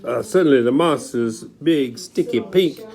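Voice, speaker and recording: A man's voice: mid-range voice, a little slow, creaky, darkish tone. A man reading a children's book dramatically, in a folksy, theatrical way with chatty asides. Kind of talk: animated dramatic read-aloud.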